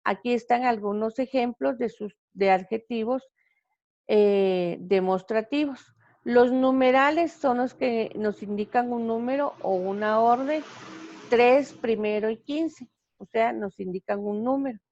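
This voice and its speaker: A woman teacher giving a recorded grammar lesson over slides, speaking haltingly with many fillers and self-corrections. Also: on the high side, darkish tone. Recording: dull, lo-fi sound.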